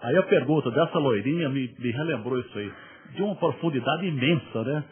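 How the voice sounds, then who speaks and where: A man in the audience asking a question, halting and restarting often. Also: medium pitch, expressive, a crowd in the background. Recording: lo-fi phone-like audio.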